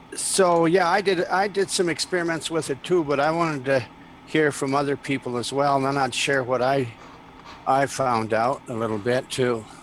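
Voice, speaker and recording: With an unremarkable speaking voice, a man talks at a moderate pace. His pitch is fairly high and varies in an ordinary way. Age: 60s. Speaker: online group participant. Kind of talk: casual chat.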